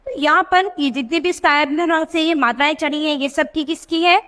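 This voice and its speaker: A woman teaching young children a reading lesson. She asks questions and answers them herself, and she stretches out words slowly to show the sounds. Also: sits high, fairly even intonation, fairly bright tone.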